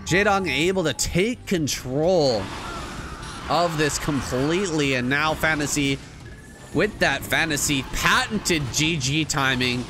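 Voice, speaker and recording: A man giving solo play-by-play commentary on a strategy video game, excited and rambling, while losing his voice. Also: on the high side, slow pace, over music. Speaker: game caster.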